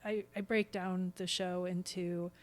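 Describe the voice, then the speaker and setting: A woman's voice: fairly low pitch, little pitch movement, unhurried. A middle-aged woman speaking as a podcast guest, explaining things earnestly in a conversational way. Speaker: podcast guest, stage actor. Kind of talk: conversational interview.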